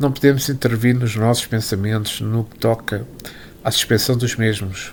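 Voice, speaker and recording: This voice moves at a moderate pace with flat, monotone intonation, while its loudness swings a lot. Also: man, medium pitch for a man. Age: 60s. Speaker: spiritist study teacher. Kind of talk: religious study talk. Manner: halting.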